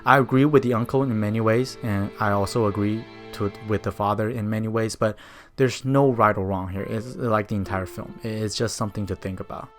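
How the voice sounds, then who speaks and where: A low-pitched man narrates a scripted film essay. He speaks fluent second-language English in a reflective, personal way, with music playing behind him. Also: steady tone, a little fast. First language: Mandarin. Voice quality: non-native but fluent English. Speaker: video essayist.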